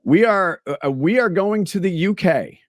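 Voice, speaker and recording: A man hosting a casual interview, a little raspy and hoarse. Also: high-pitched, expressive, measured pace, dry recording, clean studio sound. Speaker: podcast host.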